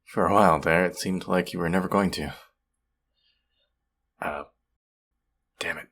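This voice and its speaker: Man acting deep-voiced awkward, sweet nervous rambler. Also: steady tone, a little slow, slight background noise. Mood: flustered, apologetic. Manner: rambling, hesitant, self-deprecating, soft chuckles. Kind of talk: intimate one-sided audio roleplay, conversational.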